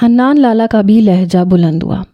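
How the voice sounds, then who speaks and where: A woman storyteller narrating a romance in the first person, in a soft, intimate, confessional way. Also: medium pitch, no echo, muffled recording.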